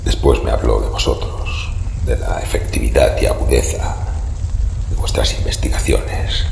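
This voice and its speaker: An actor playing a haunted, secretive old man who gives grave, ominous warnings in a horror audio drama, with a rasping voice. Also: extremely low pitch, a little mellow, heavily acted. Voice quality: very gravelly, breathy rasp. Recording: echoey hall reverb, faint noise.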